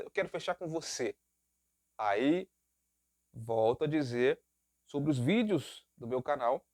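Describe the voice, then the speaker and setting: A man's voice: on the high side, no room sound, clean studio sound. A man with a Brazilian Portuguese accent, a voice-over narrator giving casual advice and acting out bits of client talk. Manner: chatty, acts out client dialogue in quick asides.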